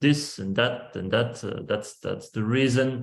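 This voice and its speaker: A man in a Flemish accent, medium in pitch. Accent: non-native, Flemish-Belgian. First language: Flemish (Dutch). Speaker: hypnotherapist. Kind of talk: online talk to a group. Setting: video call. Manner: halting, many fillers.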